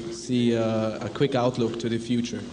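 A man talks over noticeable background noise. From Switzerland. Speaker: management consultant; conference panelist. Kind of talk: conference presentation. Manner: halting, many fillers. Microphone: podium.

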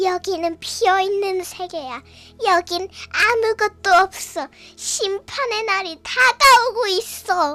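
In a put-on character voice, the speaker sounds shaky at an extremely high pitch and a fairly slow pace. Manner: trembling, frightened.

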